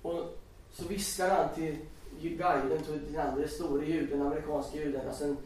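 A man's voice: on the high side, flat delivery, darkish tone, slight background noise. Preacher man in an echoey hall. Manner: storytelling, recites scripture with rising emphasis. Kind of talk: sermon. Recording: echoey hall, distant from mic.

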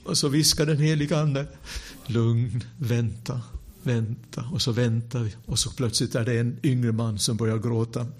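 Man telling a lively sermon story. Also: mid-range voice, hardly any pauses. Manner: animated storyteller with wry asides; drops to a hush for quiet moments. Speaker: preacher.

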